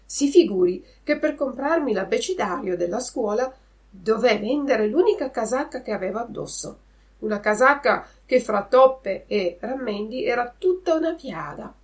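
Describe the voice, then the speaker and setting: A woman voicing a naive, excitable wooden puppet boy in a storybook reading. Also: fairly high pitch, normal speed, far from the mic. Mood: eager.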